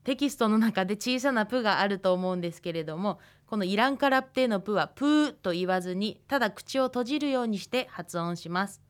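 Young woman lecturer, radio lesson. Patient, careful, slow model pronunciations, mid-pitched voice. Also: animated. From Hokkaido, Japan. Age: 20s. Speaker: language lecturer.

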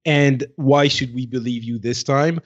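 A man co-hosting a gaming podcast, explaining in a casual, somewhat halting way on a slightly dull recording. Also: medium pitch, steady tone. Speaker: podcast co-host.

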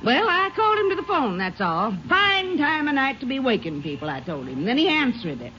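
A woman's voice: sits high, very animated, fairly quick, bright, forceful tone, faint music behind, exaggerated voice. An actress playing a chatty, indignant country landlady in a 1950s western radio drama. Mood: huffy, defensive. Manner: chatty, defensive, huffy. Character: gabby, indignant country rooming-house landlady. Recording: muffled old radio recording.

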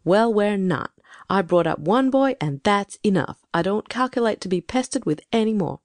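A woman's voice: mid-range voice, expressive, moderate pace, no room sound, studio quality, pitched below the performer's own voice, natural voice. A woman voicing a stern, grim farm wife. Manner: grim, scolding, clipped. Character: stern, sharp-tongued older farm wife.

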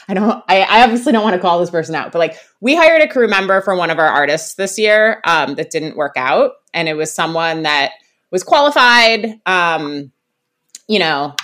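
Woman, podcast host, low-ish voice, casual, filler-heavy. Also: fairly bright tone. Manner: chatty, many fillers and restarts. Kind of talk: casual interview chat.

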